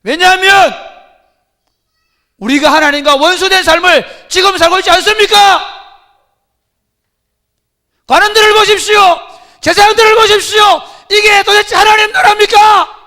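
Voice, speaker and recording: A man acting out a stern male prophet who warns of doom in a grave voice that builds to shouted rebuke. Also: very high-pitched, steady tone, moderate pace, pauses often, big-room sound, voice pushed up. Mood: grave, rebuking.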